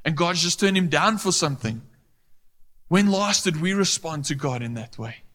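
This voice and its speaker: A man's voice: on the high side, lively intonation, moderate pace, a bit bright. A man preaching a sermon as a pastor, earnest and rising to emphatic, pleading peaks. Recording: long hall reverb.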